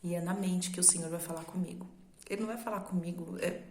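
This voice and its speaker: A woman's voice: on the low side, steady tone, quick pace, warm tone, reverberant, slight background noise. A woman with a Brazilian Portuguese accent, preaching a sermon in a conversational, explaining way that uses rhetorical questions. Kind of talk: sermon teaching.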